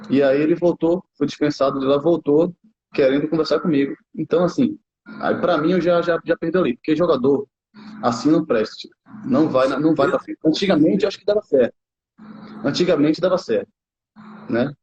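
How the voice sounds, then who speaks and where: Brief: man in his 30s from Brazil, former player now coaching, halting casual interview talk, dull lo-fi recording. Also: on the high side, darkish tone. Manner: halting, many restarts and tag questions. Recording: muffled lo-fi sound.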